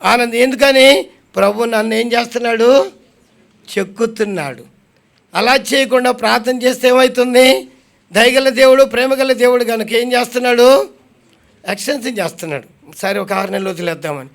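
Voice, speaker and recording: High gravelly-voiced preacher. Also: male voice, a bit bright. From India. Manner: questions the congregation and answers himself; slows to read scripture aloud. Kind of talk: sermon.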